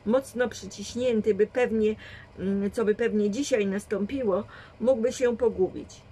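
A woman's voice: medium pitch, dark tone, slight background noise, close to an everyday voice, low-quality recording. A woman voicing a shrewd, dry and commanding old grandmother who reasons firmly in a read storybook. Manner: measured, firm reasoning.

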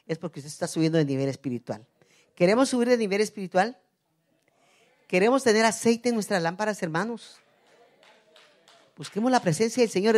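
Una predicadora de mediana edad con acento guatemalteco, que predica con fervor en una iglesia y pasa de apartes suaves a exclamaciones fuertes. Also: female voice, mid-range voice. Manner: fervent, swings from soft asides to loud cries. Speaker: preacher. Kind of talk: sermon. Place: church.

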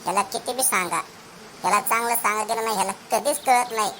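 A woman playing a sharp-tongued, scolding village grandmother in a comedy cartoon. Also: a little high, fast, slight background noise, poor audio. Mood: exasperated. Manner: scolding, insulting, rustic. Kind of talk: Marathi comedy cartoon dialogue.

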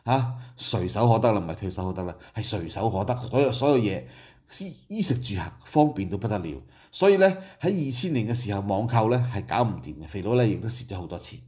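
A man's voice: on the low side, lively intonation, fast talker, a little mellow. A middle-aged man with a Hong Kong Cantonese accent, hosting casual commentary and walking through business figures with asides and rhetorical questions. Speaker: political commentary host.

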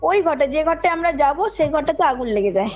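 A woman tells her story in a high voice. She speaks informally and with emphasis, checking that the listener follows. The call audio is muffled, with music clearly playing behind her. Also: lively intonation, fairly quick, a little mellow. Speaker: caller telling a personal ghost story. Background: background music.

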